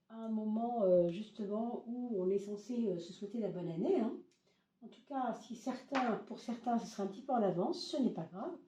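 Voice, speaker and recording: A hoarse woman reading tarot cards in a relaxed, hesitant way, full of fillers and soft reassurances. Her voice is mellow and dark, and sits slightly high for a woman. She is set back from the mic in an echoey room. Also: distant mic. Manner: hesitant, many fillers, gentle reassuring address. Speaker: tarot reader. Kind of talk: casual tarot reading to camera. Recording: roomy echo, voice off-mic.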